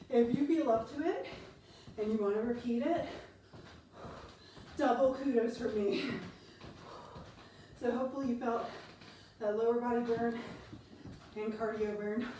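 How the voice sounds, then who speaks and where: A woman's voice: fairly high pitch, slow pace, long pauses, dark tone. A woman in her thirties, a fitness instructor coaching a workout while exercising, out of breath and encouraging. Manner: encouraging, breathy, laughing between cues. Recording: roomy echo, distant from mic, faint noise.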